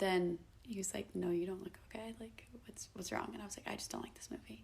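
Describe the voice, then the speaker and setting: The speaker talks at a fairly quick pace with a Midwestern American accent. Vocal fry runs through the voice. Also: woman. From US Midwest, Indiana (Carmel, north of Indianapolis). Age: 20s. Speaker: podcast guest. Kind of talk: casual interview. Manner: animated storytelling.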